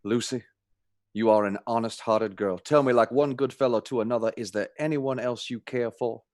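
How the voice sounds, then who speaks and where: Actor as a folksy Texan gentleman suitor, close-up. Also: mid-range voice, fairly even intonation, moderate pace, no echo, natural voice. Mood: earnest. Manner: folksy drawl with American slang. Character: jolly, gallant young Texan suitor, earnest and folksy. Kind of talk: radio play acting.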